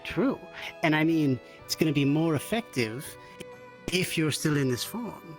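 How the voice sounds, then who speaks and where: A woman's voice: deep voice, animated, measured pace, a little mellow, soft background music. A woman making casual, improvised roleplay conversation. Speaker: roleplayer in a virtual-reality game.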